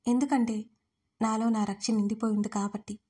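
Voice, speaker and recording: A woman voicing an angry, grieving young man in an audio story, harsh and shouting. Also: a little high, level tone, a little fast, breathy edge.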